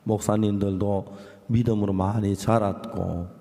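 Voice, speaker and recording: A man's voice: lowish voice, flat delivery, a little slow, dark tone, long reverb tail. An older man with a Gyeongsang accent, preaching a sermon and telling folksy jokes after reading scripture. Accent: Gyeongsang Korean. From Gyeongsang region, South Korea. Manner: folksy, joking storyteller. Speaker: pastor.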